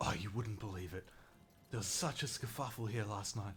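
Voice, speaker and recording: The voice is a put-on character voice and sounds strained. It moves at a moderate pace. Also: man, fairly low pitch for a man. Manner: through gritted teeth, strained.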